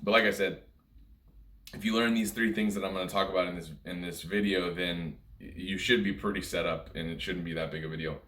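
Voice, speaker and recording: A man with a very deep speaking voice gives an informal lesson. He explains things step by step in plain, conversational language. The sound is noticeably roomy, with echo around his words. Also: fairly even intonation, fairly quick, fairly bright tone. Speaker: music teacher and video host. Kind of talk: informal instructional talk. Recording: roomy, echoey room sound.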